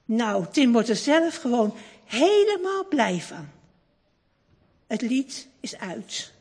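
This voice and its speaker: A woman reading a children's story aloud in a warm, expressive, lingering way. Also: fairly high pitch, takes it slowly, breathy edge. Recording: long hall reverb.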